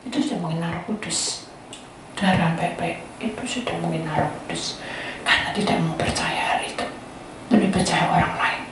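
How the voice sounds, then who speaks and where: A woman's voice: on the low side, brisk. A woman pastor preaching a sermon, telling a testimony and speaking often to the congregation. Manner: addresses the congregation often, acts out quoted speech. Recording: very echoey, from far off, faint ambient noise.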